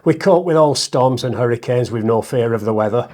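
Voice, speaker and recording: Here the middle-aged northern Englishman's medium-pitched voice takes on a dark tone and runs a little fast. He's a poet and comedian being interviewed, relaxed and self-deprecating as the chat drifts into recited verse.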